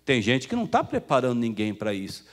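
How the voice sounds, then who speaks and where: A man's voice: mid-range voice, huge pitch swings, a little fast. A man with a Brazilian Portuguese accent preaching a sermon as pastor, talking to the congregation like brothers and acting out the people he quotes. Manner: conversational preaching, calls listeners "irmão", acts out quoted voices.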